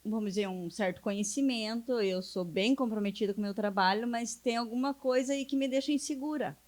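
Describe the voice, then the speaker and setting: Hesitant woman asking in class, slightly high. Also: brisk, a little mellow. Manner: hesitant, searching for words. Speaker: student.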